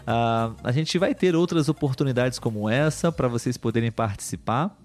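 Brief: man, mid-pitched, patient teacher closing a live stream, faint music behind. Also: normal speed, a little mellow. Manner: patient, teacherly, many "ah" and "né" tags. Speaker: host of a live stream for Portuguese learners. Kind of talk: friendly live-stream wrap-up, reading viewer comments.

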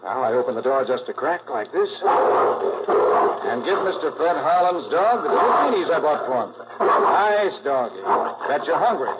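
An actor playing a calm, shrewd, self-assured master detective in a 1940s radio drama, brisk and methodical. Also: male voice, fairly high pitch. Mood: coaxing, confident. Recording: noisy, muffled 1940s radio recording.

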